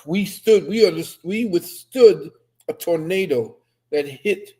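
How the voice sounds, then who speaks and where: The older Trinidad-raised co-host talks at a measured pace in a high, darkish and slightly rough voice. On a casual webcam video call, he's an emphatic storyteller who lectures with real conviction.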